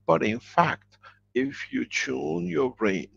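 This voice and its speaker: A man's voice: medium pitch, animated, slow pace, gravelly, fairly bright tone, husky. A man giving a workshop lecture, speaking emphatically and repeating his key phrases. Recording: dull lo-fi recording.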